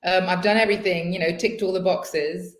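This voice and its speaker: Speaking briskly in a lowish, steady voice inside an echoey room, a woman guests on a casual podcast. Swiss, in her fifties, with English learned in British schooling, she sounds reflective and hesitant, frequently starting over.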